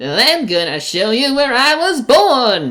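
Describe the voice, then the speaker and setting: A put-on character voice, female-sounding and high-pitched, moves at a fairly slow pace. Its pitch swings very widely. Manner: imitation.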